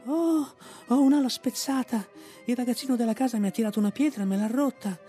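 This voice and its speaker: A man doing a shrill, frantic little mother bird. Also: fast talker, warm tone, soft background music. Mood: wailing. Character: frantic little female bird, shrieking for help.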